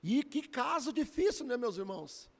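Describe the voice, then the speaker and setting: High-voiced Brazilian pastor preaching. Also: male voice, sing-song, normal speed. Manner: dramatic, emotional retelling with rising and falling intensity. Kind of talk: storytelling sermon. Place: church. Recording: echoey church hall.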